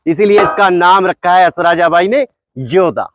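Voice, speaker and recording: High-pitched man, boastful hard sell. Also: normal speed, noisy background. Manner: boastful, emphatic salesman. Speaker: maker and seller demonstrating a farm machine. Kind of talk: hard-sell product demonstration. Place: outdoors in a farm field.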